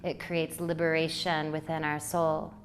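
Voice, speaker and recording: A woman leading a guided meditation in a poetic, soothing way, with deliberate phrasing and long pauses. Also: low voice, little pitch movement. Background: music.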